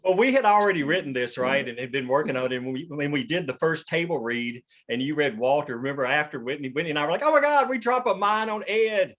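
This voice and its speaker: A man's voice: on the high side, lively intonation, quick pace, few pauses, a bit bright. A man chatting casually in an explanatory way, thinking aloud as he leads a group discussion of a script. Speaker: writer leading a table-read discussion. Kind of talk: casual chat.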